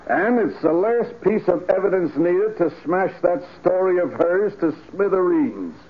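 An actor playing a triumphant, hard-nosed police investigator, emphatic in 1940s radio style. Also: male voice, high-pitched, animated, measured pace, a little hiss or hum. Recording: dull 1940s radio recording.

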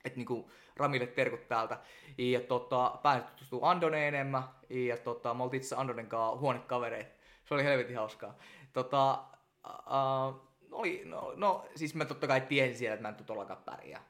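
A young man chatting casually as a guest, telling animated stories full of laughter and fillers. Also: mid-range voice. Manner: animated storyteller, laughs often, many fillers. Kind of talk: casual chat.

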